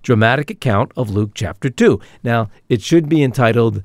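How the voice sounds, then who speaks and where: A man's voice: medium pitch, lively intonation, moderate pace, a little mellow, dry recording, studio quality. A man co-hosting a Christian radio talk show, earnest and enthusiastic, with fillers and restarts.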